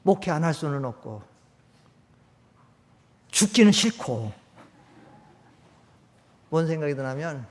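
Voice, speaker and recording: Older male pastor preaching with high pitch. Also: quick pace, few pauses. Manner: conversational preaching, rising to loud emphatic peaks, drops low for stories. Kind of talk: sermon. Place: church sanctuary.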